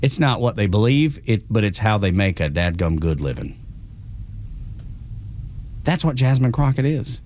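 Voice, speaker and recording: A man's voice: fairly low pitch, very animated, moderate pace, pauses often, darkish tone, a little hiss or hum. A man with an Appalachian accent co-hosts a radio show, chatting casually in folksy, colloquial language. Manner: folksy, colloquial turns of phrase. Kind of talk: casual political talk and banter.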